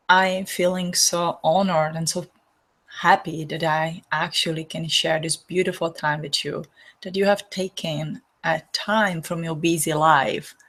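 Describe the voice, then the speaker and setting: A woman with a Czech accent speaks in a slightly low, soft voice. She hosts a spiritual healing session, talking earnestly to her listeners with gentle pauses and non-native turns of phrase. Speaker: spiritual healer and host. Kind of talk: gentle spiritual talk to an online audience.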